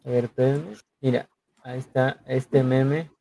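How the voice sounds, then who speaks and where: A man with a Mexican accent hosting a casual chat in slangy, colloquial street talk, halting and often repeating himself. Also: mid-range voice, steady tone, creaky, warm tone, dry recording. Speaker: podcast host.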